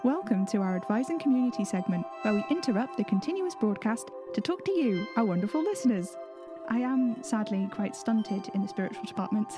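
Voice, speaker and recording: An actress playing a wry, apologetic radio presenter of a psychic advice show, speaking in formal, wordy sentences. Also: female voice, mid-range voice, animated, fairly quick, music in the background, natural voice. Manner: formal, wordy, self-deprecating. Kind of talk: fictional radio show monologue.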